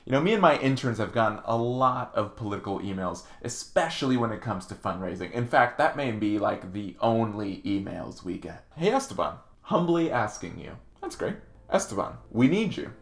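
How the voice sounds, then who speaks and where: A man's voice: lowish voice, very animated, normal speed, vocal fry. A man working as a comic correspondent, reading dramatically in a mock-serious, theatrical manner. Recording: roomy echo with music underneath. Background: music.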